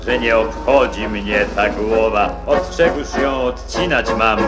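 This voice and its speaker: A man playing a gruff, literal-minded royal executioner declaiming in rhyme in a musical radio play. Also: fairly low pitch, unhurried, over music, lightly acted. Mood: stubborn.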